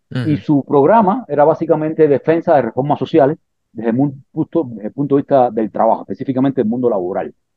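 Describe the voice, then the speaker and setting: A man with a Cuban accent speaks at a very fast pace in a fairly high pitch. His intonation is lively. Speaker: political scientist. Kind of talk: interview.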